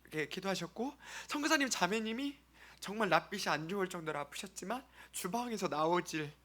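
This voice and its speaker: Sharing a sincere mission-trip testimony before the congregation, a South Korean churchgoer speaks in a halting way with pauses. His high-pitched voice is animated and sharp in tone.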